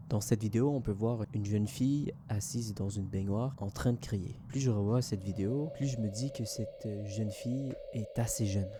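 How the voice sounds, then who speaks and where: A man's voice: lowish voice, background noise. A man hosting and narrating a scripted online mystery video. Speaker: YouTube host. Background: music under the voice.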